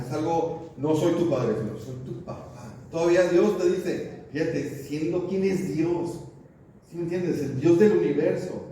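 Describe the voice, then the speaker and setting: Middle-aged pastor, folksy sermon delivery, dark mellow voice pitched a bit high, full of rhetorical questions. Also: male voice, a little hiss or hum. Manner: keeps asking the congregation rhetorical questions; folksy, anecdotal preaching. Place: church sanctuary. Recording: echoey church room, mic at a distance, faint ambience.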